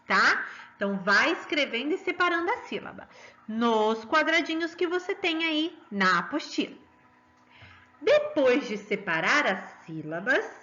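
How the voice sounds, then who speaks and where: Lively high-voiced woman teacher, Brazilian Portuguese. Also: lo-fi sound. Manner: sing-song, coaxing, slow syllable stressing. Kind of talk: children's lesson.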